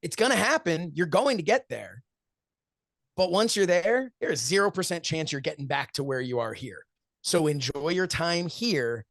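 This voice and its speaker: A man in his forties with a gravelly, textured voice answers interview questions earnestly and reflectively. He tells stories, acts out what friends once said to him, and laughs often, recorded close and dry with no room sound. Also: fairly high pitch, sing-song, normal speed, fairly bright tone, no echo. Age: 40s. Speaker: wrestling commentator and show host, interview guest.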